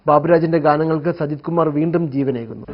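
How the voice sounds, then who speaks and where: A man's voice: fast talker, faint music behind. A man narrating a scripted magazine feature for a programme. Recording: muffled, low-fidelity broadcast audio.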